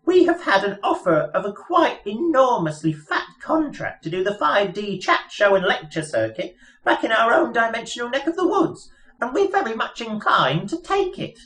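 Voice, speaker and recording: A man's voice: very high voice, very animated, moderate pace, a bit bright, pitched above the performer's own voice, exaggerated voice. A man voicing a small, scheming mouse in a storybook reading, piping, polite and coolly ruthless. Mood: earnest, persuasive. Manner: polite, wheedling, businesslike.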